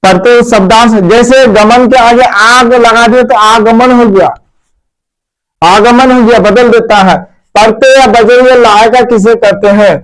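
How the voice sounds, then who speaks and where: A man's voice: extremely high pitch, steady tone, unhurried, a bit bright, clear, resonant tone, poor audio. A man teaching a grammar lesson to pupils at a board, repeating key words and quizzing them. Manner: addresses pupils as "मेरे प्यारे बच्चों".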